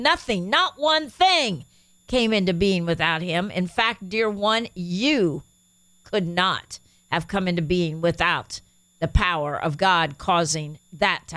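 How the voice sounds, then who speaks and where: A woman's voice: medium pitch, a bit bright, no room sound. A woman with a Spanish accent co-hosting a Christian radio show, reading Bible verses aloud with enthusiasm. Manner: enthusiastic, reads scripture aloud with emphasis.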